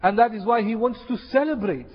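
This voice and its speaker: Impassioned high-voiced male preacher. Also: fairly quick, breathy edge. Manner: impassioned, repeats key phrases for emphasis. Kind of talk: sermon. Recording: echoey hall, dull lo-fi sound.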